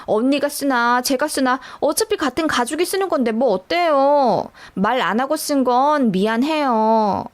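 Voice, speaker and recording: A woman's voice: high-pitched, expressive, measured pace, hardly any pauses. A woman voicing a spoiled young sister-in-law who talks brashly and whines.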